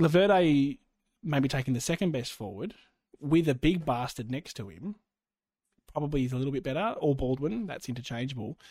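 With an Australian accent, a man speaks at a fairly quick pace and fairly high pitch, broken by long, frequent pauses. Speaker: podcast host. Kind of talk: casual chat.

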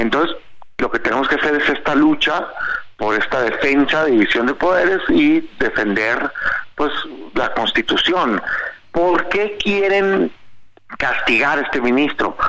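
Over music in the background, a man with a fairly high voice talks at a fairly slow pace, his loudness very even and his intonation lively, broken by long, frequent pauses. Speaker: senator. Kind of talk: radio interview.

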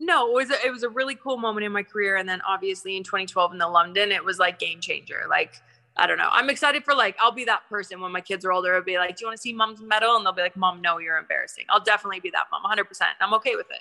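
A woman at a very fast pace with hardly any pauses, medium pitch, ordinary pitch variation, and a bright, sharp tone. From Canada. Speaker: former footballer turned TV presenter. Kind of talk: casual interview chat. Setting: video call from home in Montana.

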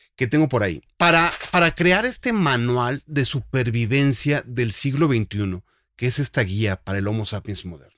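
A man with an unremarkable speaking voice, medium pitch and lively intonation at a moderate pace, in a dry, close sound with no echo and a very clean recording over a silent background. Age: 40s. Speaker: podcast host. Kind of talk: interview. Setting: studio.

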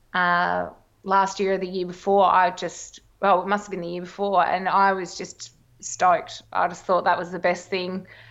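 In an Australian accent, the speaker uses monotone, flat intonation with big swings in loudness over a quiet background. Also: woman, medium pitch for a woman, moderate pace. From rural Victoria, Australia. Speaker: elite distance runner and school teacher. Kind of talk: interview. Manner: articulate.

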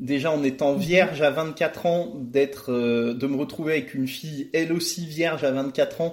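A man at a fairly high pitch with ordinary pitch variation, a fairly slow pace and hardly any pauses. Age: 30s. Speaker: podcast guest sharing intimate life story. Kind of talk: casual interview, personal testimony. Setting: remote recording. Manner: hesitant, many fillers.

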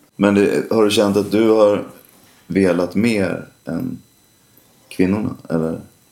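Pausing long and often at a very slow pace, a man speaks with fairly even intonation, a fairly low pitch and a dark, mellow tone. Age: 50s. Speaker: podcast co-host. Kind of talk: emotional family conversation. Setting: in a car. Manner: halting.

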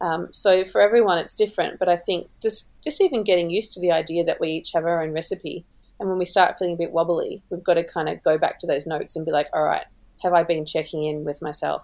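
A woman with an Australian accent, fairly low in pitch, at a very fast pace with fairly even intonation, on a very clean recording with a silent background. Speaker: documentary filmmaker. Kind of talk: interview.

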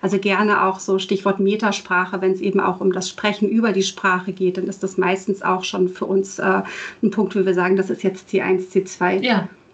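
A woman talks at a moderate pace at a medium pitch. Her intonation is monotone and flat. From Germany, Mainz area. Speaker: language teacher and podcaster. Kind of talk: casual interview. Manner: hesitant with many fillers.

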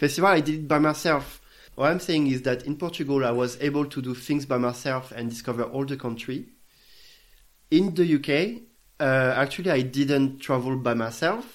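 With a French accent, a man talks at a moderate pace, his fairly high pitch moving with ordinary variation. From France. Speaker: guest. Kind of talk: casual chat.

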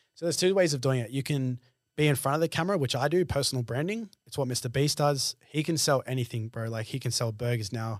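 A man with an Australian accent talks at a very fast pace in a medium pitch with ordinary pitch variation, the sound dry and close with no echo on a very clean recording with a silent background. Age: young. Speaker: videographer and content creator. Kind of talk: casual chat. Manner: animated.

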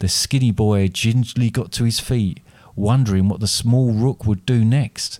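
The speaker uses a natural reading voice. The delivery is a natural reading voice throughout.

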